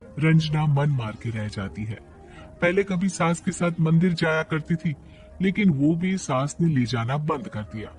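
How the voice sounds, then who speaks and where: A man narrating an animated story in a scripted storytelling style, with wry asides. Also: on the high side, a little slow, soft background music.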